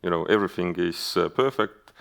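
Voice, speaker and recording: A man with an Estonian accent moderates a conference panel from the stage. His voice sits very low with a gravelly edge, yet comes through smooth and resonant. He talks haltingly, filling gaps with uh and um. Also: a bit bright. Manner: hesitant, many fillers and restarts.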